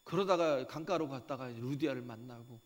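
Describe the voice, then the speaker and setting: A man's voice: medium pitch, brisk, big-room sound. A middle-aged male pastor delivering a sermon. He keeps asking the congregation questions and checking in with them. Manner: animated preaching with rhetorical questions and frequent "예?". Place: church sanctuary.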